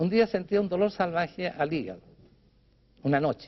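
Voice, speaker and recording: With a Chilean accent, a man of high pitch talks at a fairly quick pace with ordinary pitch variation. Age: 70s. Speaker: philosopher. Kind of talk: interview. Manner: halting.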